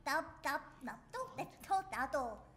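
A VTuber streamer with a high voice speaks slowly while giving live gameplay commentary over game music. She's excitable and playful, shouting threats at the game.

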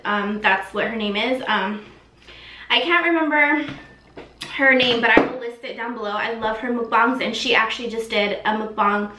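A woman's voice: on the high side, recorded from a distance, noisy background. A young woman chatting casually in a mukbang eating vlog, filling her talk with ums and likes while she eats. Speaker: vlogger. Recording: echoey room, voice off-mic.

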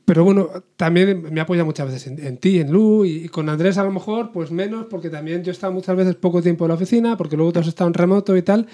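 Fast-talking man, candid. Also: sits high, warm tone. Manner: candid, rambling, frequent restarts. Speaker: company co-founder. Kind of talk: emotional podcast conversation.

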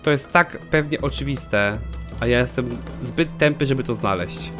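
A man's voice: mid-range voice, moderate pace, over music. A young man commenting casually on his own gameplay, joking and swearing at himself. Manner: animated, swears a lot, jokey self-talk. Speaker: gaming channel host. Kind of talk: let's play commentary.

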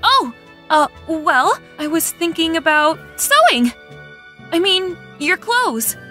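A woman's voice: very high voice, very animated, slow, sharp tone, faint music behind, exaggerated voice. A woman voicing an earnest, easily flustered young female warrior in a fan dub of an anime game.

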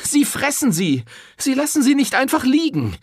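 A man voicing a fiery, proud young Sicilian woman in an audiobook, raising his voice high and defiant. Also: very animated, moderate pace, slightly rough, no echo, clean studio sound, heavily acted. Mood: desperate. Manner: shouting, defiant, raised high voice. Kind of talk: audiobook character voice.

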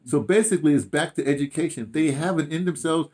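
A man's voice: fairly high pitch, fast, a little mellow. Older American man, rambling storyteller. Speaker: interviewee, audio dramatist. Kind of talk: casual chat, storytelling. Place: small room indoors, seated.

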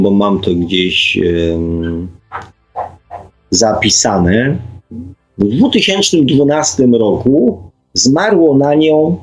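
A man's voice: mid-range voice, poor audio. A man hosting a radio monologue, hesitantly reading out figures and repeating them for emphasis. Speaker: radio show host.

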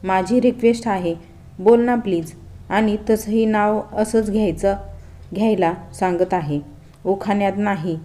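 A confident young man teases his bride-to-be in a spoken storybook, playful and full of self-assurance, read by a woman. His voice comes across mellow and warm rather than sharp. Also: medium pitch, steady tone, unhurried, close to an everyday voice. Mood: teasing.

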